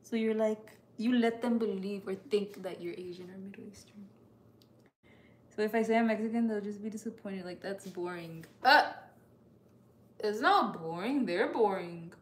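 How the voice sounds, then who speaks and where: A woman's voice: medium pitch, moderate pace. A young woman chatting at home in an opinionated, wry way, often breaking into laughter. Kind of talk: casual chat. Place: home kitchen, indoors. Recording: echoey kitchen with faint hum.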